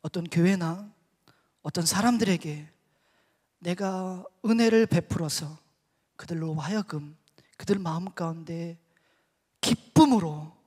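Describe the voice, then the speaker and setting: A man voicing God as a calm but stern male voice that gently rebukes, then presses firmly. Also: sits high. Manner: quiet rebuke rising to firm emphasis. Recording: echoey church hall.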